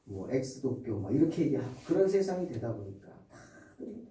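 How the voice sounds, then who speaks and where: In a church sanctuary, a pastor with a mellow, medium-pitched voice preaches a fervent sermon, speaking a little fast with big swings in pitch. He keeps putting rhetorical questions to the congregation, and the recording catches him from far off in an echoey hall.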